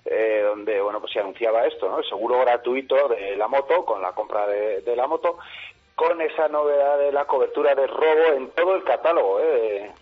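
A man giving a halting, conversational motorcycle news report on the radio, often adding tag questions. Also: medium pitch. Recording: tinny telephone line.

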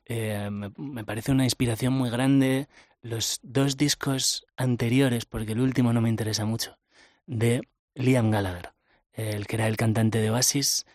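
A man's voice: medium pitch, steady tone, measured pace, a little mellow, dry recording, studio quality. A man with a Castilian Spanish accent chatting casually as a musician being interviewed. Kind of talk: casual chat.

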